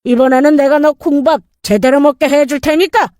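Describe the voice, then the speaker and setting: A woman's voice: sits high, steady tone, a little fast, darkish tone, no room sound, clean studio sound, voice pushed up, lightly acted. A woman doing a firm male police detective.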